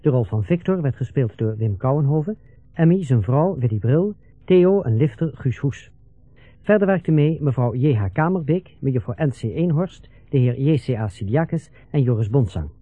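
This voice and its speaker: A man announces radio drama credits in a formal, scripted way with a mid-pitched voice. The sound is dry and narrowband, with music behind. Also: expressive, moderate pace, no echo.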